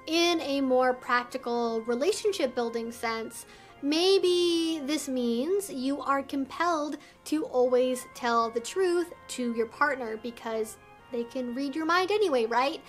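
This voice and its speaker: A woman's voice: sits high, takes it slowly, soft background music. A woman hosting an educational explainer video, speaking in an articulate, earnest, explanatory way. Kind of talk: explainer video to camera, semi-scripted.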